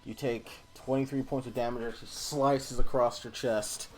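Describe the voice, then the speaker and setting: A man's voice: medium pitch, fairly even intonation, moderate pace, darkish tone. A man narrating a tabletop game as game master, rambling with many fillers.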